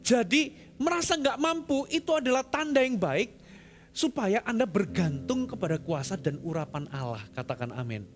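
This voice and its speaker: A man preaching a sermon as pastor, swinging between loud emphatic lines and hushed, quiet ones. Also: high voice, big pitch swings, normal speed.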